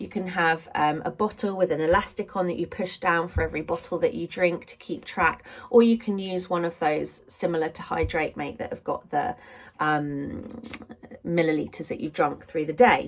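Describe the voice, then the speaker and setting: A woman with an English accent speaks at a moderate pace and a fairly low pitch. Her loudness swings widely, while her pitch variation stays ordinary. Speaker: vocal coach. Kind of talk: tutorial. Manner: casual, chatty.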